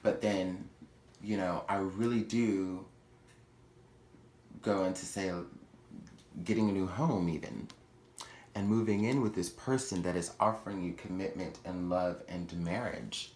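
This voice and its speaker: A man giving a chatty tarot reading, with playful asides and quick self-corrections. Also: low voice, darkish tone. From Houston, Texas. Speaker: tarot reader. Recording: echoey room with faint noise.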